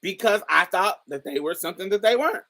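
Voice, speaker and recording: Deep-voiced woman, chatty and emphatic. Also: animated, fast, pushed and bright. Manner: emphatic, chatty, addresses viewers directly. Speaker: host. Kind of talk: casual commentary to camera.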